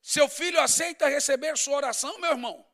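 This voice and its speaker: Man preaching, high voice, bright and sharp tone, middle-aged, animated storytelling sermon. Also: brisk, vocal fry. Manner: animated, humorous storytelling, swings from loud to hushed. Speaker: pastor.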